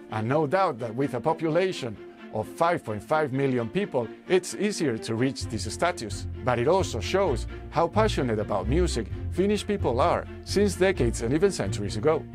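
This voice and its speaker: Male podcast host, 30s, native Spanish speaker; halting delivery with fillers, mid-pitched voice. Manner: hesitant, many uh fillers. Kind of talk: interview. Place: small room with acoustic foam panels.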